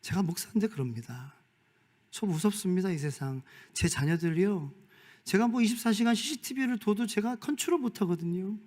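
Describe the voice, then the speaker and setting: High-voiced Korean pastor preaching. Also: male voice, lively intonation, moderate pace. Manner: swings from soft whispers to loud shouted calls. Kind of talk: sermon.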